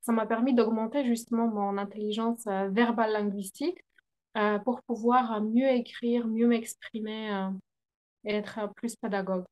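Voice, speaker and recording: A woman's voice: a little high, steady tone, normal speed, a little mellow. Hesitant woman, French not her native tongue. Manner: hesitant, many fillers, laughs often. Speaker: business coach, guest. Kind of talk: interview answers, explaining.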